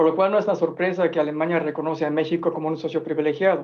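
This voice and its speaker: Here a man speaks. His pitch is high. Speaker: business account manager. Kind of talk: webinar presentation. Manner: hesitant, many fillers.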